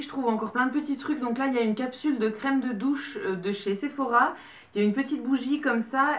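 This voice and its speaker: A young woman speaking with a French accent chats through a casual unboxing. Her voice sits a little high and her delight bubbles up often. She sounds set back from the mic in a roomy space. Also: distant mic. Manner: chatty and excitable, quick bursts of delight. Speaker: beauty vlogger.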